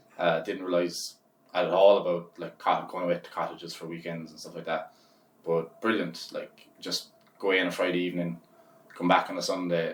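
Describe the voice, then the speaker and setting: This man has a very deep, low voice and a Cork accent, speaking at a fairly quick pace. His intonation stays flat and monotone while his loudness swings widely. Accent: Cork Irish. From Ireland, Cork. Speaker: singer, Irish emigrant. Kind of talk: casual interview chat. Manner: relaxed.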